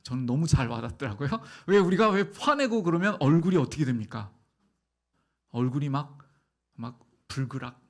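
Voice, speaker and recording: A middle-aged male pastor preaching a sermon, asking the congregation rhetorical questions and swinging between soft, quiet phrases and loud, emphatic ones. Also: medium pitch.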